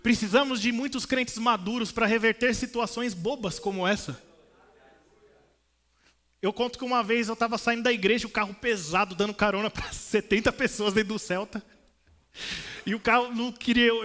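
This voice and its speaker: A man's voice: sits high, fairly even intonation, fairly quick, pushed and bright. A young man with a São Paulo Brazilian accent preaching a sermon in a church, telling stories and acting out the voices of people in them. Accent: Brazilian Portuguese, São Paulo. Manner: storytelling, acts out voices of people. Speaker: pastor. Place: church, indoors.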